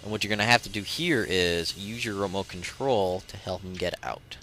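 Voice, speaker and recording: A man's voice: deep voice, moderate pace, bright, forceful tone. A man giving a casual, irreverent, joking walkthrough commentary as host of a game video. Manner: irreverent, jokey interjections. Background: game music.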